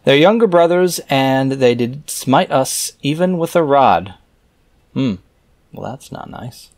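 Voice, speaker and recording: A man's voice: medium pitch, expressive, slow, dry recording. Wry man reading aloud, close and dry. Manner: wry, skeptical asides. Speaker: reader and commentator. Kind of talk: reading scripture aloud with offhand commentary.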